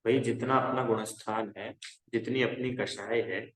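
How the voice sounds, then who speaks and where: A man of medium pitch speaks at a normal speed and in a steady tone, his voice echoing around the room on a rough recording. He's teaching young people religion informally, urging them on and often asking questions to make sure they're keeping up.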